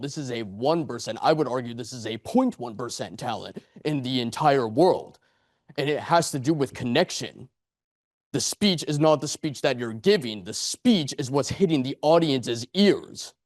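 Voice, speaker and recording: Man, late twenties, amateur motivational speaker, medium pitch, earnest, rambling, rhetorical, dry sound. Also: darkish tone, no room sound. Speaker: public speaker at a speakers club. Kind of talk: motivational speech to a live audience. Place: meeting room before an audience.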